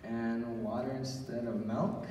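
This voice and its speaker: A man's voice: mid-range voice, flat delivery, slow pace, close to an everyday voice. A man playing an eager, wisecracking, boastful boy in an amateur stage radio play. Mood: eager, cheeky. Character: eager, cheeky boy Sammy, joking, bossy little brother. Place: church stage before an audience. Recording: echoey church hall, distant, faint noise.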